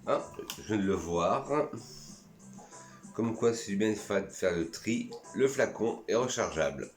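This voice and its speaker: A man's voice: fairly low pitch, animated, unhurried, reverberant, over music. A man from France chatting casually and enthusiastically in a vlog, reviewing his perfumes and sometimes talking to himself. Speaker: perfume YouTuber.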